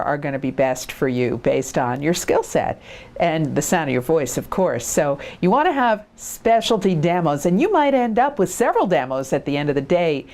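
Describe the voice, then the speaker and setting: A woman's voice: on the low side, darkish tone. A woman giving conversational, direct and encouraging instruction as a voice-over coach. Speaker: professional voice talent. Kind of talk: instructional talk to camera, conversational.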